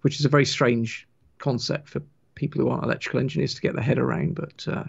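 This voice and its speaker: A man with a gentle West Country accent from Wiltshire, explaining technical things informally as a guest author on a livestream. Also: mid-range voice, fairly even intonation, fast, gravelly, slightly rough, lo-fi sound. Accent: Wiltshire, English West Country. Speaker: guest author of a railway engineering book.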